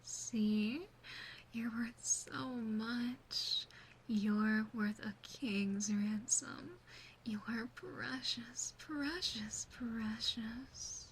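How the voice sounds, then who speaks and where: Woman acting a slow, whispering, doting demon sister. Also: on the high side, a little hiss or hum, poor audio. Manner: soft, soothing, teasing, deliberate whispering. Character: gentle, doting yandere demon big sister. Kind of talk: ASMR roleplay, mostly whispered. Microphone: close binaural ASMR microphone.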